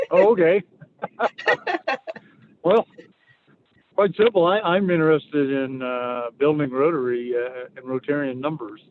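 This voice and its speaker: A man's voice: a little high, slow, long pauses, slight background noise. A man joining a meeting from a moving car, brief and plain-spoken, chuckling now and then. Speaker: meeting participant. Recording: tinny phone-like line from a car.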